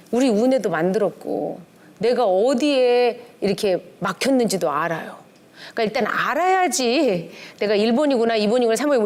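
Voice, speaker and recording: A middle-aged woman with a somewhat high voice teaches a church class in a relaxed, conversational way. She keeps things lively, slipping into different tones to act out bits of dialogue. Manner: lively, acts out quoted dialogue with shifting tones. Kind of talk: conversational lecture on family relationships.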